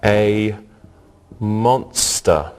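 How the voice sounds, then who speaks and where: Slow, deliberate male English teacher. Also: fairly low pitch, darkish tone, clear, resonant tone. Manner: slow and deliberate, repeating each word. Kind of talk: scripted English lesson for learners.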